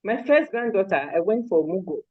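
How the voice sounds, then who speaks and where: An older woman from Lagos with a Nigerian accent, appearing as a guest in a live interview, talks as a mother and grandmother about raising her children. Her medium-pitched voice is sing-song and fairly quick, yet her manner is emphatic and firm, with forceful repetition of her points. The recording is dry and has phone-quality sound.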